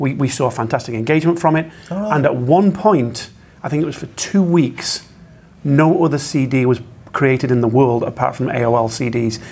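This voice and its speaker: With a Yorkshire accent, a man speaks at a moderate pace, his fairly high pitch showing ordinary variation. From Yorkshire, England. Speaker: SEO specialist. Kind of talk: podcast interview.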